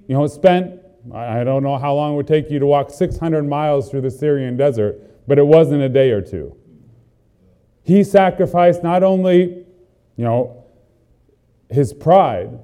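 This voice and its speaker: A man delivering a sermon in an earnest way, stacking repeated phrases to build emphasis. His voice is fairly high for a man yet very dark and mellow in tone. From not from the country he is preaching in. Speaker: preacher.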